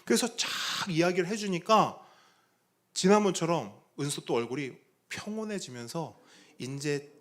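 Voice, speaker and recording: A middle-aged man preaching a sermon as a pastor. He tells a story in an animated way, acts out the voices of the people he quotes and asks the congregation questions. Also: fairly high pitch, normal speed. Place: church sanctuary.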